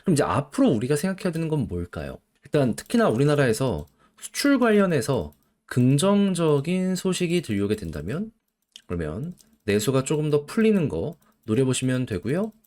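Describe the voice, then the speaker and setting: A man giving solo stock market commentary, explaining things in an animated way and asking rhetorical questions. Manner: animated, rhetorical questions, emphatic pitch swings.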